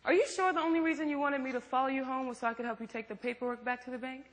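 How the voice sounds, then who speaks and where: A woman's voice: sits high, fairly even intonation, racing, natural voice. A woman acting in a stage play as a protective, outspoken best friend, blunt, probing and emphatic. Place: theatre stage. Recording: echoey theatre hall.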